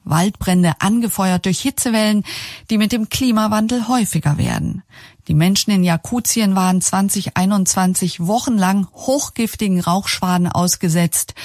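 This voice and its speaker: A woman's voice: fairly low pitch, a little mellow, dry recording, studio quality. A woman presenting a news feature, reading scripted narration and asking questions in a conversational way.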